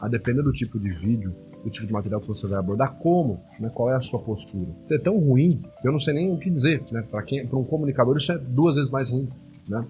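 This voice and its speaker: A man hosting a casual commentary, talking in an animated, indignant way with slang and plenty of fillers. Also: medium pitch, fast, soft background music. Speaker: host analyzing rhetoric.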